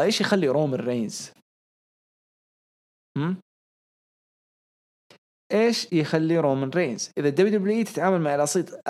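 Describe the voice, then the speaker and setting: Excitable man on a podcast. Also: fairly high pitch. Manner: excitable, repeats phrases for emphasis. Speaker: podcast co-host. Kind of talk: casual podcast commentary.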